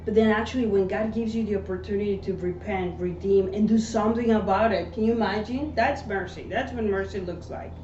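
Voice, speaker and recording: A woman's voice: medium pitch, brisk, hardly any pauses, dark tone. A woman from Mexico City, earnestly telling her story as an interview guest and tagging sentences with "right?". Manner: earnest, often adds "right?" tags. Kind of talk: personal testimony in conversation. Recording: echoey room, dull sound, faint hiss.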